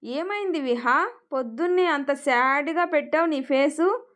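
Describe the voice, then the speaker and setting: Woman doing a gentle, worried grandfather. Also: high voice, measured pace. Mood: tender. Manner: soft, tender and prayerful.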